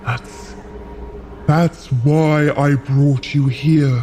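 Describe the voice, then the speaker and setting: A man playing a solemn, idealistic, weary frost giant in an audio drama, speaking in grave, measured storytelling. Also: on the high side, steady tone, mellow, faint music behind. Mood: earnest, resolute. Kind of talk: scripted audio drama acting.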